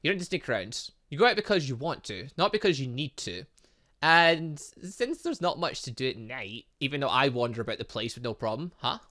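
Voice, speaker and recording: A man hosts a video game playthrough with a bright, forward voice. His pitch jumps around in a very lively way. He rambles playfully and breaks into exclamatory asides as he comments. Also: brisk. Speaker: gaming channel host. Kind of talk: excitable let's-play commentary, reading dialogue aloud.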